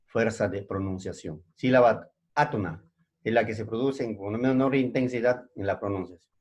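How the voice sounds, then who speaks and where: A man's voice: fairly low pitch, moderate pace, a little mellow. A man teaching a secondary school language class, who repeats each point and keeps checking in with his students. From Peru. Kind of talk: recorded language lesson.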